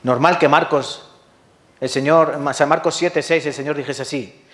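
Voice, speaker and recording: A male pastor from Spain preaching a sermon in a church hall, his voice sitting a little high. He tells his stories dramatically, throwing out rhetorical questions and acting out sounds as he goes. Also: steady tone, moderate pace, fairly bright tone.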